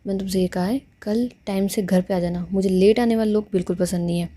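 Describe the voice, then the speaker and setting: A woman's voice: mid-range voice, steady tone, fast talker, warm tone, voice pushed down, close to an everyday voice. A woman voicing a playful, sarcastic young woman who teases her girlfriend. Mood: teasing. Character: teasing, bossy young woman in love.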